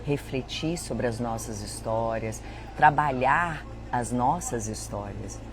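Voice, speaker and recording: A Brazilian woman hosting a live spiritual chat, telling personal stories in an animated, dramatic way and often addressing her viewers. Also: rumbling low, takes it slowly, noisy background. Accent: Brazilian Portuguese. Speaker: host.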